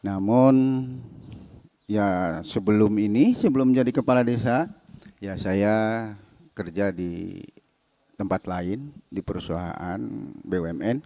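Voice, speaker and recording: A middle-aged man, a village head answering as a talk show guest, halting and repeating his phrases. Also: fairly low pitch, dark tone, dry recording. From Kuningan, West Java. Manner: halting, repeats phrases, says "Pak" often.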